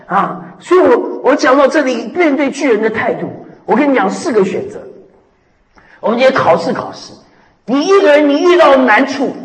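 A middle-aged man preaching a sermon as pastor, lively and emphatic, dropping hallelujahs and amens between points. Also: high voice. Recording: echoey hall with long reverb.

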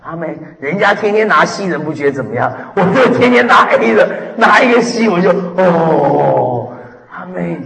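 A middle-aged man preaching a sermon as pastor, lively and emphatic, dropping hallelujahs and amens between points. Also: sits high, brisk, gravelly, few pauses. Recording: echoey hall with long reverb.

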